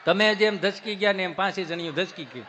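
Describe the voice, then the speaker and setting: A man performing folk stand-up comedy, telling animated stories and acting out the people in them. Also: high voice, brisk, big-room sound, slight background noise. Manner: animated, acts out city guests and villagers in put-on voices. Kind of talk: Gujarati folk stand-up storytelling.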